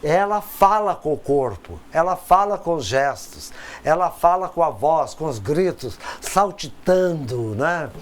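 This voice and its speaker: A man giving a recorded course lecture in a conversational way, with frequent tag questions, pauses and repeated words. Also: fairly high pitch, big pitch swings.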